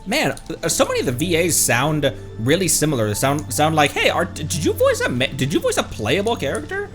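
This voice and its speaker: A man streaming a game, talking casually to viewers in an animated, rambling way and muttering to himself. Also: on the high side, a little fast, soft background music. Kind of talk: casual livestream gaming chat with viewers.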